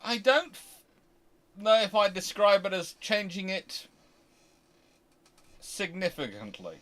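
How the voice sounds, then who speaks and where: A British man hosting a casual question-and-answer chat, talking in a rambling, halting way and often interrupting himself. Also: high-pitched. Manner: rambling, halting, animated anecdotes with self-interruptions. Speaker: host answering viewer questions.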